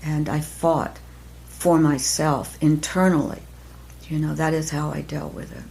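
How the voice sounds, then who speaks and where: An older woman, an acting teacher, talking reflectively in an interview, soft-spoken and halting, with many pauses and restarts. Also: deep voice, fairly even intonation, creaky. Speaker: acting teacher, podcast guest.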